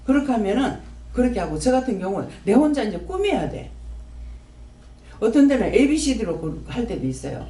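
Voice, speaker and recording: A woman's voice: a little high, very animated, a little fast, mellow. A woman with a Gyeongsang accent preaching at a prayer house in a folksy manner, acting out her own prayers and God's answers. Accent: Gyeongsang Korean. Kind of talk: sermon. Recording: roomy and distant from the mic.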